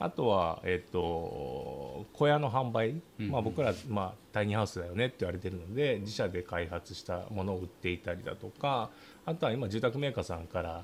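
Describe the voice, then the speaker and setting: A man with an ordinary speaking voice talks at a moderate pace, using a fairly low pitch and lively intonation. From Hyogo, Japan. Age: 40s. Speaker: social company founder. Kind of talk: casual interview.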